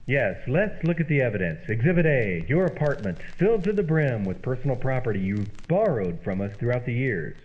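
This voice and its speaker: An actor playing an exasperated, bossy straight man in an old-time radio comedy, brusque, indignant and quick to interrogate. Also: mid-range voice, very animated, natural voice. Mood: accusing. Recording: dull, lo-fi radio-show sound.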